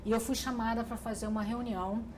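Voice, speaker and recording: A woman's voice: a little high, fairly even intonation, fast talker, noisy background. A middle-aged woman, telling her life story in an oral history interview, thoughtful and full of restarts. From Brazil. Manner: reflective, with frequent restarts and fillers.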